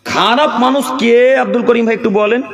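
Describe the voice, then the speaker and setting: A man's voice: extremely high pitch, brisk. A male preacher from West Bengal, India, giving a sermon at a religious gathering. He chants Arabic verses, explains them, and fires rhetorical questions that he answers himself. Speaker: Islamic preacher. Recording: live crowd behind.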